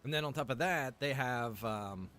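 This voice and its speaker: A man's voice: mid-range voice, moderate pace, fairly bright tone, faint music behind. A man with a mid-range voice talks to his livestream viewers as host. His style is casual and chatty. He rambles and halts as he goes, dropping in informal asides. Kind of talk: casual chat to stream viewers.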